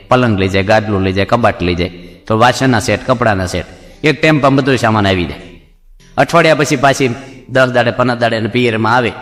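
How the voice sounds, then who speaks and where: A man's voice: medium pitch, fairly bright tone. A man who is a Hindu monk, giving a humorous sermon to a seated audience, joking and often asking them questions. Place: assembly hall before a seated audience. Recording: reverberant hall with faint music.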